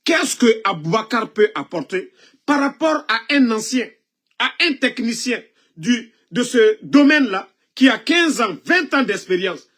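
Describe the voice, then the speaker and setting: With a very high-pitched, sing-song voice and a fairly bright tone, a man gives passionate political commentary at a measured pace. He scolds, poses rhetorical questions, and coughs now and then from a cold.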